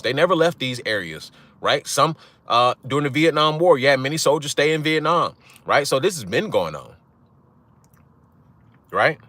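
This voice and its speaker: Young man, blunt rant-style host, bright edge, dry close mic. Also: fairly high pitch, no room sound. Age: young adult. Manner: blunt, profane, repeats "right?" for emphasis. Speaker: channel host. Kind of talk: casual monologue to viewers.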